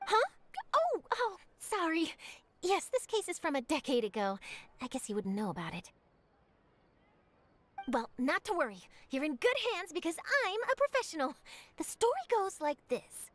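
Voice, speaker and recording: Eager, very high-voiced young reporter. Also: female voice, moderate pace. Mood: keen storytelling. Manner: eager, expressive, articulate. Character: eager, chatty young female newspaper reporter. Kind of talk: animated video game dialogue, storytelling.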